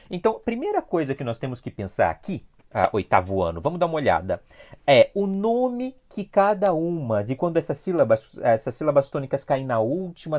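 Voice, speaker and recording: Lively Brazilian teacher with patient check-ins. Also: mid-range voice. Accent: Brazilian Portuguese. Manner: patient, checks in often with a questioning "sim?"; explains step by step, repeating key points. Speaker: Spanish teacher. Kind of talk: online review class.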